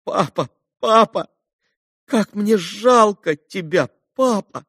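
A man's voice: fairly high pitch, animated, a little slow, no echo, clean studio sound, voice pushed up. A man voicing a frail sick young boy who pleads in a trembling, tearful voice, in an audiobook. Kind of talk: audiobook character reading.

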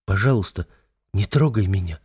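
A man's voice: deep voice, normal speed, darkish tone, slightly rough. A man reading an audiobook, voicing a frightened young captive woman who pleads tearfully. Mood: pleading.

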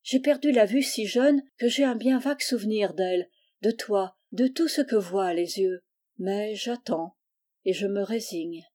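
A woman voicing a gentle, pious blind young girl in a storybook reading, soft, calm and resigned. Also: medium pitch, unhurried, natural voice.

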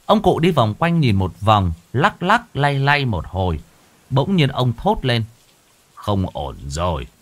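A man narrating a folk horror story in a dramatic, expressive way. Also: mid-range voice, a little slow.

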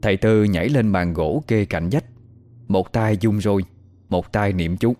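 Deep-voiced man narrating a horror tale. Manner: slow, even, suspenseful. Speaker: storyteller. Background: faint music.

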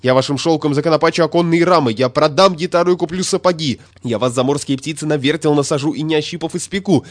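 A man voicing a hysterical, puffed-up little male statistician who shouts and rants indignantly. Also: fast, hardly any pauses, no room sound, close to an everyday voice. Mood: furious. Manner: shrill, shouting, indignant ranting.

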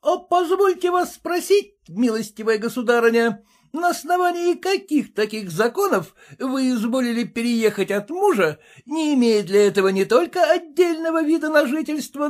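A man's voice: extremely high pitch, lively intonation, normal speed, voice pushed up. A man playing a pompous, legalistic husband who blusters and sneers, with a pedantic way of talking.

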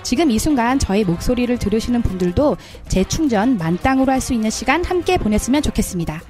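A woman hosting a community radio show in a polite, even-toned way, her voice touched by a cold. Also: on the high side, fast talker, soft background music. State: has a cold. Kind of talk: friendly scripted radio hosting. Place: small community broadcasting studio.

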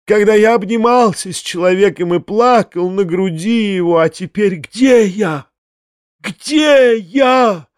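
A man reading a hysterical, self-pitying man who declaims in slow, wailing outbursts. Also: sits high, darkish tone, clear, resonant tone, no room sound, studio quality, voice pushed up. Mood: anguished.

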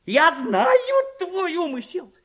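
Casting: male reader as indignant village woman, high shrill pitch, swooping delivery, sharp-tongued storybook scold. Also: sing-song, slow pace, exaggerated voice. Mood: furious, scolding.

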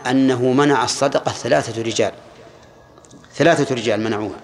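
An older man giving a classroom lesson on Islamic law, speaking in measured phrases and questioning his students. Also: mid-range voice, slight background noise. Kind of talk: classroom lecture on hadith.

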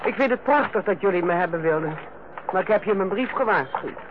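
An actress playing a stern, principled eldest sister and senior nurse in a Dutch radio play, speaking in a prim, blunt manner. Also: female voice, on the low side, lively intonation, a little fast, natural voice. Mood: dry, reserved. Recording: dull, noisy old radio play recording.

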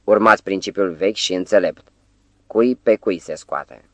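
A man's voice: low-pitched, no room sound. A man voicing a smiling foreign stranger in black. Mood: smugly courteous. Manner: slow, heavy speech with a faint foreign lilt.

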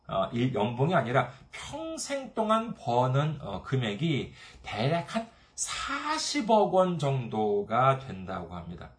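A man preaching a sermon as pastor, retelling a parable and briefly acting out its characters' voices. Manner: storytelling, acting out parable voices with lively pitch swings.

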